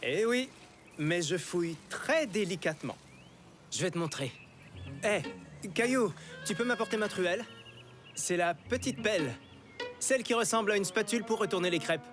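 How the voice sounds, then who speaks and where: A friendly cartoon archaeologist, enthusiastic and patient with children. His delivery swings up and down in pitch as he explains and encourages. Music runs behind him. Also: animated, normal speed, long pauses. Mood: encouraging.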